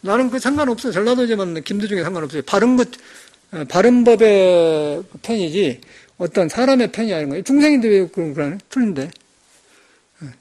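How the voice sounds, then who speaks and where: Fast-talking high-voiced monk. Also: male voice, animated, a little mellow. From Jeolla, South Korea. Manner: rambling, emphatic, conversational. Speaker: Buddhist monk. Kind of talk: dharma talk sermon.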